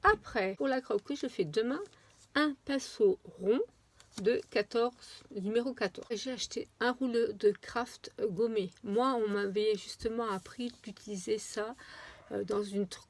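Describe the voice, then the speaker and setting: A woman chatting casually through a craft-supply unboxing, with many pauses and fillers. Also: a little high, vocal fry. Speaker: crafting vlogger.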